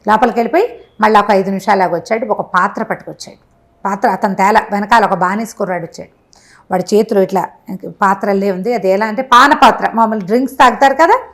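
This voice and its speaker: A woman telling a moral tale in an animated, conversational way, stressing things by repetition and acting out the dialogue. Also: mid-range voice. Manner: expressive, acts out dialogue, emphatic repetition. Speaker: storyteller.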